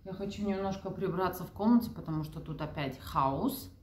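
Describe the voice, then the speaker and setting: Her voice is lowish and brisk, with slight background noise, as this thirtysomething mom vlogs casually at home. She talks to the camera and to her toddler while moving between the living room and bedrooms. The room audio is echoey.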